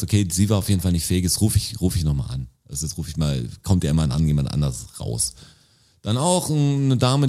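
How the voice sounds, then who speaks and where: A man's voice: fairly low pitch, a little mellow. A man casually telling friends an exasperated story about a phone call, quoting both sides of the conversation. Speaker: podcast co-host. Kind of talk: casual anecdote among friends.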